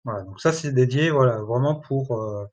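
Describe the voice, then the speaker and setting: A man presenting and demoing software in a webinar, talking in a halting way and filling pauses constantly. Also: mid-range voice, highs cut off. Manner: hesitant, many fillers like voilà and hein. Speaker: product presenter.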